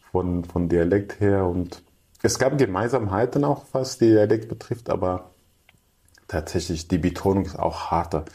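A man's voice: sits low, creaky, mellow. A young man from Syria, chatting as an interview guest in fluent but German, with many restarts. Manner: fluent but non-native, restarts, acts out quoted people. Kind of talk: casual interview chat.

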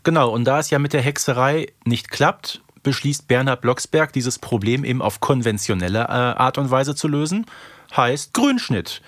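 A man's voice: medium pitch, animated, normal speed, fairly bright tone, no echo, studio quality. A man co-hosting a podcast in casual, colloquial conversation, often checking for agreement with tag questions. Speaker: podcast co-host. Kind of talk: casual chat reviewing an audio drama.

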